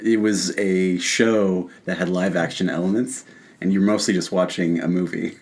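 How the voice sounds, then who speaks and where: Male co-host, lowish pitch, informal explainer style, casual pop-culture chat. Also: steady tone, moderate pace. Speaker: podcast co-host.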